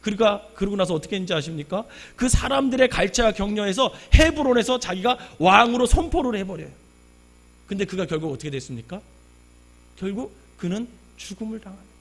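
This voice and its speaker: A male pastor preaching a sermon, telling a personal story with sudden loud bursts and quiet asides. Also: high voice, expressive, fairly quick.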